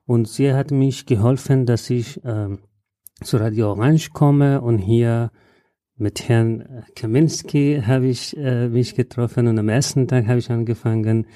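A man from Afghanistan, answering interview questions in halting, full of hesitations. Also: medium pitch, fairly even intonation, dark tone, dry recording, clean studio sound. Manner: halting non-native German with frequent "äh" fillers. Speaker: guest, journalist.

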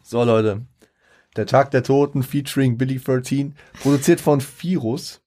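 Young guy rambling on a podcast, lots of restarts and ums, warm mellow voice. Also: mid-range voice, steady tone, unhurried, faint music behind. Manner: rambling, many restarts and fillers. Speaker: podcast co-host. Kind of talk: casual chat about rap.

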